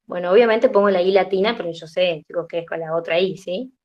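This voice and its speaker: A woman's voice: lowish voice, fast, darkish tone, lo-fi sound. A young woman lectures her students, sounding tired. She explains each step in turn and keeps checking that the class is following along. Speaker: teacher.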